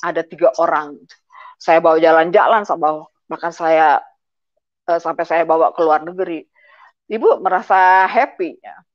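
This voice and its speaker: A woman's voice: fairly low pitch, moderate pace, long pauses. A middle-aged woman giving a personal testimony, speaking hesitantly with many filler sounds as she retells painful family events. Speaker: guest giving a conversion testimony. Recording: dull lo-fi audio.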